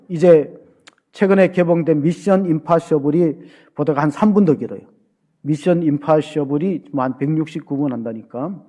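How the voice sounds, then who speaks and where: A male pastor preaching in a church sanctuary, with a voice that sits high for a man. He keeps the tone chatty and funny and turns to the congregation with questions. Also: dark tone. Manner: conversational and humorous, questions the congregation. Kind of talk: sermon.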